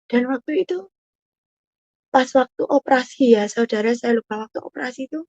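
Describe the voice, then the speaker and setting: A woman's voice: high voice, a little fast, a little mellow, no echo. Earnest woman giving personal testimony. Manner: earnest, addresses listeners as "saudara" constantly. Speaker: testimony guest. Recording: muffled dull audio.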